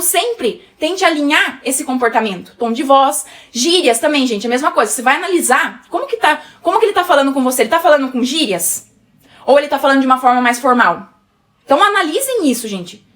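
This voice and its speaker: Brazilian woman teaching sales to her viewers, high voice, keeps saying tá and gente. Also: lively intonation, brisk, a bit bright. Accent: Brazilian Portuguese. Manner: chatty, many fillers, addresses viewers as gente. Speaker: sales trainer. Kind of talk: casual teaching talk.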